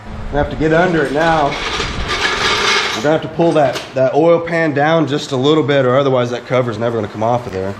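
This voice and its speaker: A man's voice: mid-range voice, brisk. A middle-aged American man casually explaining a hands-on repair in a folksy, conversational way. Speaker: DIY mechanic vlogger. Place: hot space around a truck, fan running. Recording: loud fan noise behind voice. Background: fan noise.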